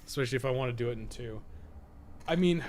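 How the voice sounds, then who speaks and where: A man's voice: mid-range voice, fast, a little mellow, slight background noise. A man doing casual livestream commentary on a video game, rambling and muttering his thoughts aloud as he plays. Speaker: host of a game guide livestream.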